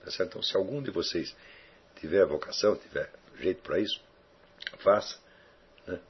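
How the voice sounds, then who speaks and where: Male lecturer, low raspy voice, reflective and digressive, muffled recording. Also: normal speed. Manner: rambling, reflective, with frequent tag questions. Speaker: philosophy teacher. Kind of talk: lecture answering student questions. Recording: dull lo-fi recording.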